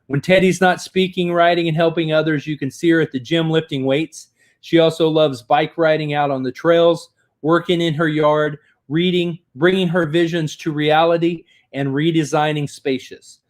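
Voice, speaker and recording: A man's voice: fairly high pitch, little pitch movement, normal speed. Upbeat male interview host. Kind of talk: scripted guest introduction and interview.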